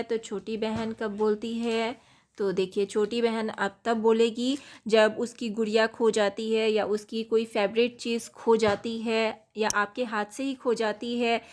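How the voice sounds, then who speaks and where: A woman teacher talks young children through their worksheet, step by step. Her voice sits a little high, and she takes her time with every line. She poses questions and then answers them herself in a patient, unhurried way.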